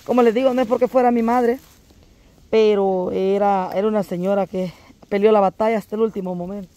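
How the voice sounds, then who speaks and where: A man's voice: sits high, steady tone, a little fast, warm tone, muffled recording, lightly acted. A man playing a grieving, devout woman talking with her cousin, pleading and agreeing often. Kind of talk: comedic sketch conversation.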